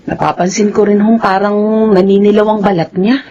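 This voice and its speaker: A woman's voice: mid-range voice, fairly even intonation, a little fast, dark tone, natural voice. A woman playing a worried, devoted wife. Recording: dull lo-fi sound with faint music.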